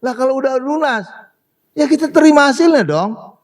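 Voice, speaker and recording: A man preaching with a high voice that leaps all over the place. He exclaims and keeps turning to the congregation for agreement. His sermon delivery is lively throughout. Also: normal speed. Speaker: pastor.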